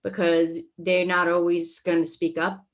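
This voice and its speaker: A woman's voice: on the low side, flat delivery, unhurried. A woman performer talking casually as a guest in an online panel discussion over a video call.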